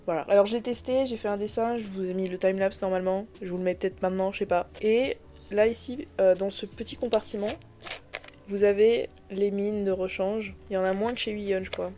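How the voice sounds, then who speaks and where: A woman's voice: mid-range voice, fairly even intonation, a little fast, mellow, soft background music. Gushing, slangy young woman chatting casually. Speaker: digital artist reviewing a drawing tablet. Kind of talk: casual vlog chat to viewers.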